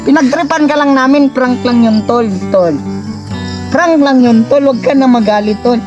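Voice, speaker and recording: Male prank vlogger with a very high pitch, mock-angry nagging that turns to pleading, music under the voice. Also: moderate pace. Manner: mock-angry scolding, then coaxing and apologetic. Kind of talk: casual prank vlog.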